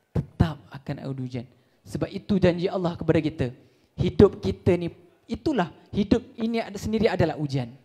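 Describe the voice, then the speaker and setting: Young male preacher with a Malaysian Malay accent, high voice, storytelling sermon that voices the characters and chants Arabic. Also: a little mellow. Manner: chanted Arabic phrases, slow and drawn out. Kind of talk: Ramadan religious talk retelling a story. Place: lobby hall before a live audience.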